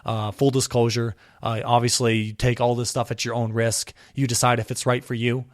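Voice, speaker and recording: A man hosting his own podcast, talking with impassioned energy, his voice a little hoarse from a cold. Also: flat delivery, normal speed, dry recording, studio quality. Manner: impassioned ranting, pitch climbing when worked up. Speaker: podcast host. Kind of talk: solo podcast commentary.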